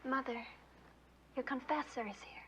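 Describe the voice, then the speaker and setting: An actress playing a devout young daughter in a period film, speaking with earnest reverence. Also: female voice, sits high, normal speed, fairly bright tone. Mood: earnest awe. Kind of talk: scripted period film drama. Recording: noisy film audio.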